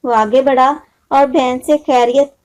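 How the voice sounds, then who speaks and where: High-pitched, mellow woman storyteller. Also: fairly even intonation, unhurried, poor audio. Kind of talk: scripted children's moral story narration.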